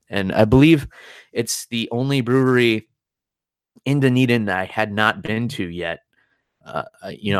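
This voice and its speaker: A young man hosts a chatty podcast, his voice sitting low. He rambles through stories with a self-deprecating streak. The sound is dry and close to the mic. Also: a bit bright, clear, resonant tone, dry recording. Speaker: podcast host. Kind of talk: casual podcast chat.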